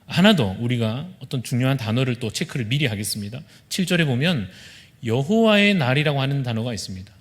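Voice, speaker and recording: A man's voice: mid-range voice, very animated, fairly quick. A male pastor with a Gyeongsang accent, preaching an expository sermon in church and answering his own questions to the congregation. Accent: Gyeongsang Korean. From Busan, South Korea. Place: church sanctuary.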